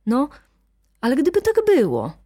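A woman's voice: medium pitch, takes it slowly, darkish tone, no room sound, clean studio sound, lightly acted. A woman reading a defiant young wife in love. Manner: hard, defiant tone.

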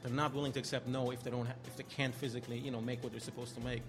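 Fast-talking Austrian-accented man. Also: mid-range voice, little pitch movement. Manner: fast, easygoing, self-deprecating. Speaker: guest, music A&R. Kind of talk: casual interview storytelling. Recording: music playing behind.

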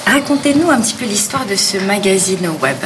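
A woman's voice: medium pitch, lively intonation, fairly quick. Woman interviewer, distant and noisy. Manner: friendly prompting questions. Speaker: podcast interviewer. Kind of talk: interview questions.

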